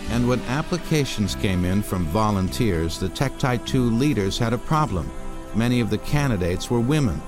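Documentary narrator, American man, low register, scripted read over a clear music bed. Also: animated, normal speed.

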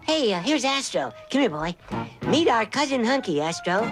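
An eager little cartoon boy talks with bouncy, varied pitch over music. He is a friendly, brainy space-age kid full of slang. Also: very animated, normal speed. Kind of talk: animated cartoon voice acting. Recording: cartoon soundtrack with music behind.

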